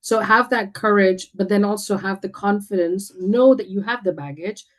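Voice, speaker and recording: A woman's voice: mid-range voice, normal speed. A woman from India speaking as an interview guest, talking confidently and emphatically with frequent restarts. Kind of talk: casual interview chat.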